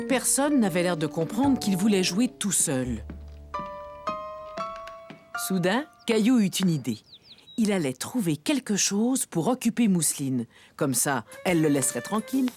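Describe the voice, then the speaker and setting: A woman narrating a French children's cartoon as a kindly, expressive storyteller. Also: mid-range voice, measured pace. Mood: storytelling. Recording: music behind the narration.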